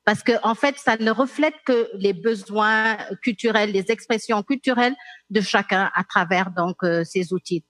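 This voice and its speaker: Female panelist, Senegalese accent, medium pitch, explaining in a measured way, very little room sound. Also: fairly bright tone, no room sound. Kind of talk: panel discussion remarks.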